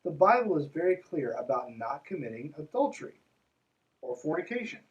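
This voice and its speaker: A man's voice: on the high side, big pitch swings, moderate pace, distant mic, highs cut off. A man hosting a podcast, reading aloud and breaking in with mocking, irreverent, conversational asides. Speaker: podcast host.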